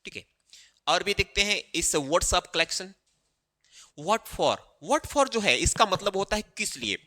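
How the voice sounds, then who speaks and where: Male grammar teacher, high lively voice, repeats himself a lot, echoey room with long reverb. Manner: explains slowly, repeating phrases with many fillers. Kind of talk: Hindi-language grammar lesson while writing on a board.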